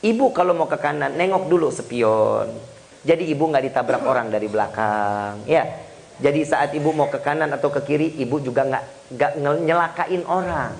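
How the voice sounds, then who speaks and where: A man's voice: fairly high pitch, normal speed, creaky. A man, preaching a humorous Islamic sermon and talking straight to his congregation with jokes. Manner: lively, joking, addresses the audience directly.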